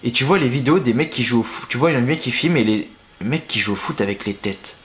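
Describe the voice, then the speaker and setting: A man's voice: medium pitch, quick pace, slight background noise. A young man chatting casually to camera, rambling and slangy, thinking aloud as he searches for things. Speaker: wrestling news youtuber.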